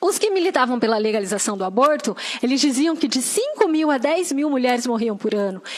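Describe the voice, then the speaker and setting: Over noticeable background noise, a woman speaks at a high pitch. Her pace is fairly quick and her intonation lively. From Brazil, Campinas (São Paulo state). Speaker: public health specialist, dentist. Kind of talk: testimony at a senate hearing, presentation.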